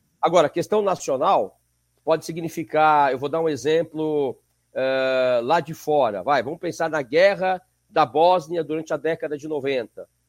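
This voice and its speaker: Over a quiet background, a man speaks at a fairly slow pace in a fairly high pitch with ordinary variation, the sound dry and close with no echo. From São Paulo, Brazil. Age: 50s. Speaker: law professor. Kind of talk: interview conversation. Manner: hesitant, frequent fillers.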